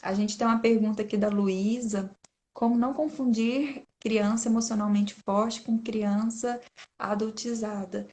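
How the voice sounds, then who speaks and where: A woman's voice: fairly high pitch, fairly even intonation, measured pace, mellow. A woman in her thirties with a Brazilian Portuguese accent, giving an informal talk on raising children and often turning to her listeners. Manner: chatty, keeps addressing listeners as "gente". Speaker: parenting speaker. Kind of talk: informal talk to an online audience.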